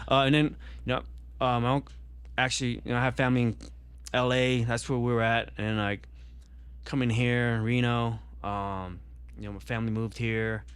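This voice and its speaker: A man's voice: medium pitch, little pitch movement, moderate pace, a bit bright, clear, resonant tone, dry recording. A young man born in Vietnam, talking casually on a podcast and rambling with many fillers and restarts. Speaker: podcast guest.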